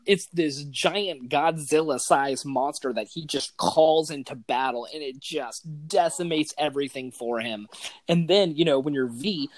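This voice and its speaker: A man hosting a casual gaming podcast, talking excitedly and enthusiastically in loose slang. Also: a little high, no echo. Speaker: podcast host.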